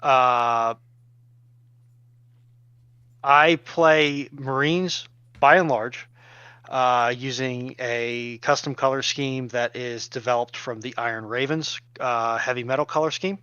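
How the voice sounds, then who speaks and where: A man co-hosting a casual live chat, speaking in a measured, wordy way with rather formal phrasing. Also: medium pitch, fairly even intonation, bright, forceful tone, smooth, dry recording, highs cut off. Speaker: co-host and chat moderator.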